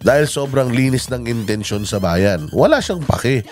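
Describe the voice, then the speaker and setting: A man giving impassioned political commentary, halting with many fillers and outbursts of swearing. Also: medium pitch, expressive, darkish tone, soft background music. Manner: hesitant, many fillers, switches into English, angry swearing.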